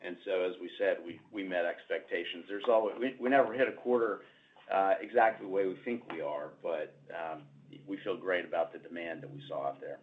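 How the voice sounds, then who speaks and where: A man's voice: low voice, fairly quick. A man, a company executive, answering analysts off the cuff on an earnings call with stammering restarts. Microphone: conference call line. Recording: noisy, narrow-band conference phone line.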